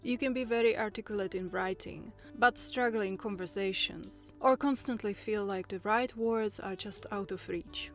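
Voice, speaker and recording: A woman's voice: mid-range voice, soft background music. Earnest Czech-accented woman vlogger. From Czech Republic. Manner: earnest and encouraging, with measured phrasing. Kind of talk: personal, reflective vlog talk.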